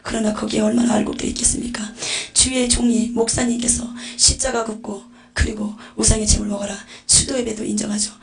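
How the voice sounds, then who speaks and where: A woman's voice: mid-range voice, flat delivery, fairly quick, gravelly, hardly any pauses, faint music behind. A woman giving a fervent religious testimony, telling it dramatically and dropping into whispered asides. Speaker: testimony preacher.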